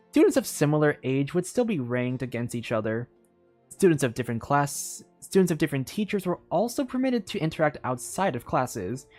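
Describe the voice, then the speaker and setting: Expressive game streamer reading over music. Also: medium pitch. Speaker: game streamer reading in-game story books aloud. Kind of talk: storybook read-aloud with casual asides.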